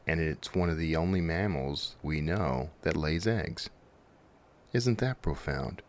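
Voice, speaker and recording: A man's voice: a bass voice, measured pace. A man hosting a podcast, chatting casually and conversationally to his listeners with jokey asides. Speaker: podcast host.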